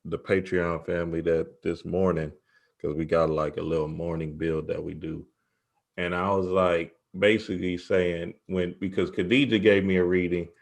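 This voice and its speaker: A man's voice: low-pitched, flat delivery, moderate pace, vocal fry. A man hosting a casual spiritual interview, speaking in an informal, slangy way. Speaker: interviewer and show host.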